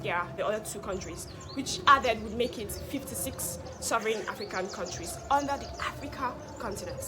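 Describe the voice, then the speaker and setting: A woman's voice: medium pitch, animated, fairly quick, noisy background, natural voice. A woman playing a proud young Hausa woman who speaks with a Nigerian Hausa accent and talks in a formal, speech-giving way. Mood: speechifying. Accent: Hausa Nigerian English. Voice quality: formal, speech-giving, then loud laughing banter. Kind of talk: comedy skit acting.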